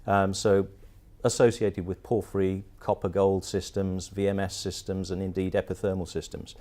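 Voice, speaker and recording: A man with a British accent giving an investor presentation as a company director, with halting phrasing and frequent ums. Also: low-pitched, level tone, dark tone. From partly Turkey, mostly the UK.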